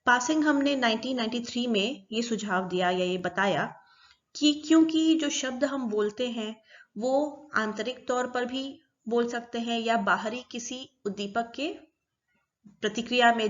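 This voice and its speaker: A woman's voice: a little high, muffled recording. A woman teaching a recorded psychology lecture, explaining step by step and repeating key terms.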